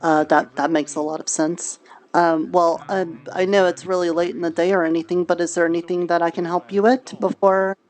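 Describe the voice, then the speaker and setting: A woman's voice: fairly low pitch, little pitch movement, moderate pace, a little mellow, lightly acted. A woman playing a friendly, chatty tailor in an improvised fantasy roleplay, talking casually with playful, cutesy word choices.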